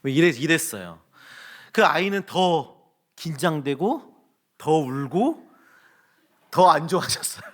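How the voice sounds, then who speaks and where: A male pastor in his thirties preaching in a church. His voice sits high and rings bright. He swings his pitch widely as he tells stories and asks rhetorical questions. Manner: animated storytelling with rhetorical questions. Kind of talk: sermon.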